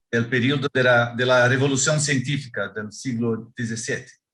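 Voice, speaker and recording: A man with a Spanish accent speaks at a fairly slow pace. His medium-pitched voice has fairly even intonation. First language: Spanish (speaking Portuguese). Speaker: event moderator. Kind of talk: speaker introduction.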